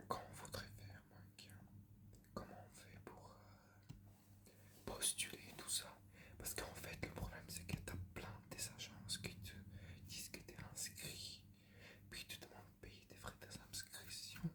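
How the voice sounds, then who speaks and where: Someone is whispering at a very slow pace. Long, frequent pauses break up the speech. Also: man. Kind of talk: ASMR video. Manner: soft-spoken, whispered.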